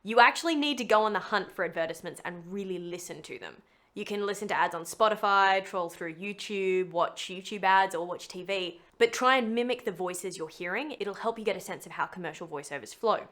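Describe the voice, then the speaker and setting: Her voice is medium-pitched, a bit bright and fairly quick as she teaches, in scripted narration to camera, how to put together a demo reel. This voice actor keeps it chatty and emphatic and pokes a little fun at herself.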